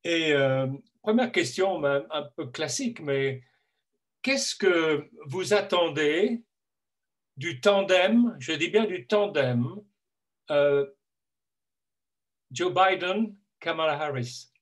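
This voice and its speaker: A man in his fifties with a slightly high, expressive voice hosts a casual video-call chat from a room in his home. He speaks slowly and hesitantly, pausing often, using many fillers and teasing playfully.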